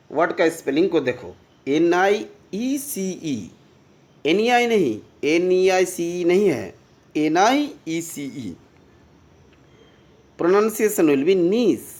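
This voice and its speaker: Grammar teacher, very slow and animated, spells words out letter by letter. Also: mid-range voice. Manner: spells words out letter by letter, checks understanding often. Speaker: English teacher. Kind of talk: bilingual grammar lesson.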